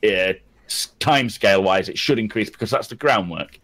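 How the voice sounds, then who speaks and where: A man's voice: on the low side, animated, a little fast, fairly bright tone. A man talking casually as a panellist on a gaming podcast. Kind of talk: casual panel discussion about a video game.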